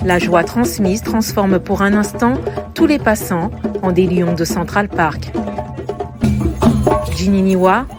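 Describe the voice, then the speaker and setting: A woman reporter reading a scripted news feature narration in a measured, lyrical way. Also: medium pitch. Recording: voice-over with music bed.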